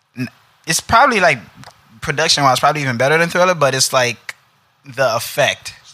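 Speaking fairly quickly with lively intonation and long, frequent pauses, a man with an American accent has a fairly high pitch. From Brooklyn, New York. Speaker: podcast guest. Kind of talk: casual chat.

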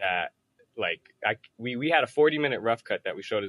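A man at a moderate pace, with ordinary pitch variation and an ordinary speaking voice. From New York City. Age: young. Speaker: filmmaker. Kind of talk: interview.

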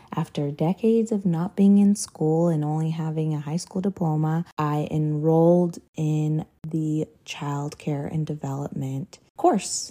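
A woman talks fairly slowly in a very deep, low voice with a dark, mellow tone and ordinary pitch variation. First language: Portuguese. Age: 30s. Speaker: podcast host, cosmetologist. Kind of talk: solo casual monologue. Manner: casual, conversational.

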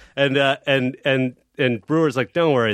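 A man's medium-pitched, ordinary speaking voice with an American accent, at a moderate pace. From Chicago, US. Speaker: actor and director. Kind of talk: casual chat.

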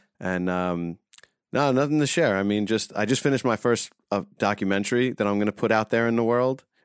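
A man with an American accent, fairly low in pitch, very fast in pace, with ordinary pitch variation. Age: 40s. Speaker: street photographer. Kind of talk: casual chat.

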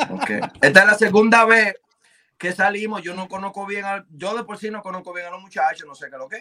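Talking at a very fast pace in a raised, projected voice, a man has a high pitch, a bright, sharp tone, fairly even intonation and big swings in loudness. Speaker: comedian. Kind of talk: casual chat.

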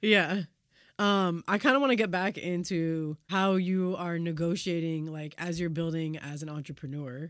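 A woman speaks in a normal speaking voice at a fairly low pitch. Her pace is moderate and her pitch variation ordinary. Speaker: podcast host. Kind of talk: casual interview conversation.

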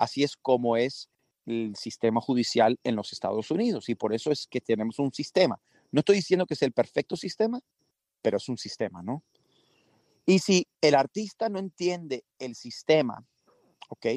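Pitched fairly high, a man speaks at a moderate pace with very wide pitch swings and long, frequent pauses. The recording is very clean and dry, close with no echo and a silent background. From United States, raised from age two; born in Venezuela. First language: English (speaking Spanish). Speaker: music industry lawyer. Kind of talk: casual interview chat.

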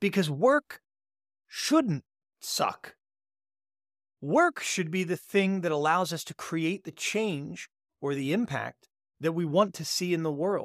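Speech comes at a very slow pace in a Philadelphia accent, with long, frequent pauses and ordinary pitch variation. The sound is dry and close with no echo. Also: man, high pitch for a man, very clean recording, silent background. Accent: Philadelphia-area American English. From US Mid-Atlantic (Philadelphia area). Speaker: keynote speaker and entrepreneur, former piano bar performer. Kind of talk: casual interview chat.

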